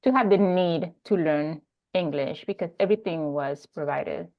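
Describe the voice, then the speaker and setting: A woman from New York City shares her background with her coach in a relaxed, chatty way. Her voice sits a little low, and it reaches us through dull, muffled call audio. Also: moderate pace. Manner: relaxed storytelling, laughs lightly. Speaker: coaching client. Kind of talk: casual chat. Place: video call.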